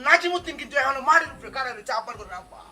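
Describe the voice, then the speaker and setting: A man's voice: very high voice, animated, rapid-fire, pushed and bright, exaggerated voice. A man playing an angry young son who confronts his father in a folk stage drama. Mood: insistent. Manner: insistent, confronting.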